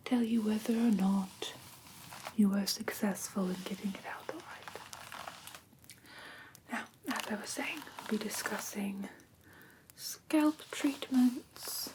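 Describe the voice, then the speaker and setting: A woman playing a prim, patient vampire teacher in a whispered ASMR roleplay, speaking softly and breathily with formal, careful instruction. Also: a little high, background noise. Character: prim, patient female vampire teacher of human pet care.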